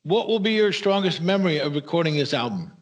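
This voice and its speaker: Male interviewer, moderately high voice, halting question delivery. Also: lively intonation.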